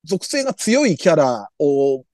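A man's voice: a little high, unhurried, dry recording, studio quality. A man co-hosting a comedy podcast, chatting casually about anime characters in a chatty way, full of fillers. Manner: animated, chatty, hedging with fillers.

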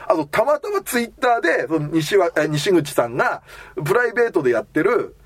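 Husky guy hosting an anime podcast, quick and super animated, acts out quotes. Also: high voice, no echo. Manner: animated storyteller acting out quoted lines. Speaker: podcast host. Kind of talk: casual chat about anime.

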